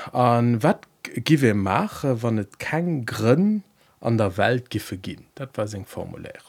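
A man talks at a very slow pace and a medium pitch with lively intonation. His loudness swings a lot. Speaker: podcast co-host, school teacher. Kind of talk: casual philosophical discussion. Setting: recording studio.

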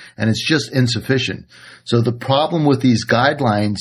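With a somewhat breathy voice, a man speaks at medium pitch with fairly even intonation. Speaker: radio host. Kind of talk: interview, casual conversation.

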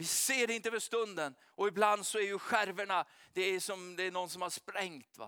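Raised and projected, a man's bright, sharp voice moves along at a moderate pace. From Sweden, Ödsbyn (rural inland). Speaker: preacher. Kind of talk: sermon. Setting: conference hall with audience.

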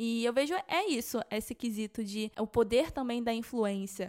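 Here a woman has an unremarkable speaking voice, fairly high in pitch with ordinary variation. She speaks at a moderate pace on a very clean recording with a silent background. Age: 20s. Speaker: personal finance content creator. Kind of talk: casual chat.

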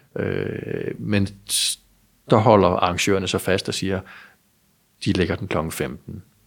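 A man speaks at a very slow pace with long, frequent pauses, his very deep, low pitch showing vocal fry and ordinary pitch variation. The recording is very clean, with a silent background. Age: 60s. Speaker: author. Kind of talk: interview.

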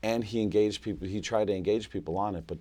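On a very clean recording with a silent background, a man with an American accent talks at a very fast pace, his fairly low voice dark and mellow in tone. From Boston, Massachusetts (Mission Hill). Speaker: former state legislator. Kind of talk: interview. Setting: studio with audience.

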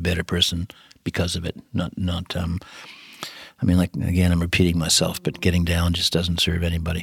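A man talks at a fairly quick pace in a very deep, low voice. His delivery is somewhat breathy. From western Canada (British Columbia coast). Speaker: cancer patient. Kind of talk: interview.

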